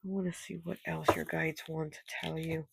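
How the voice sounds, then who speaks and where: Tarot reader, nasal and stuffy from a cold, gravelly, flat delivery, dry close mic. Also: medium pitch, normal speed, rough recording. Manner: chatty, rambling, frequent fillers and little laughs. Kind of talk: casual tarot card reading.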